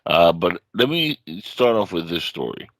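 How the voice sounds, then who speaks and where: Deep-voiced man hosting late-night radio. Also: very animated, unhurried, no room sound. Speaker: online radio show host.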